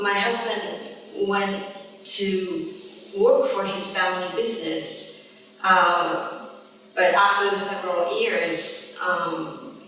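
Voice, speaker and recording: A middle-aged woman from Japan gives an unscripted artist talk, pausing often as she searches for words. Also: lowish voice, bright, forceful tone, slight background noise. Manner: halting, searching for words, many pauses. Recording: echoey hall, distant mic, faint ambience.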